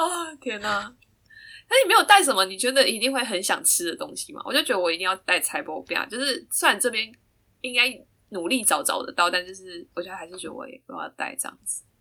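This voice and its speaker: At a fairly quick pace, a woman with a fairly high pitch and a bright, sharp tone talks with very wide pitch swings and big swings in loudness. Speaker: podcast host. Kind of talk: casual chat.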